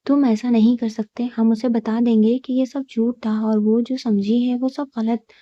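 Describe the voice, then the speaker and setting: A woman's voice: a little high, level tone, dark tone, dry recording, natural voice. Woman reading a hurt, defiant young wife. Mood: bitter. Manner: bitter, accusing. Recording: dull lo-fi recording.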